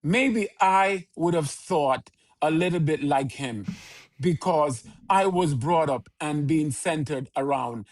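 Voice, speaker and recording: A man, a podcast guest who speaks in a measured, preaching cadence with repeated phrases. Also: a little high. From Jamaica. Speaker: podcast guest, organization leader. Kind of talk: earnest conversational interview answers.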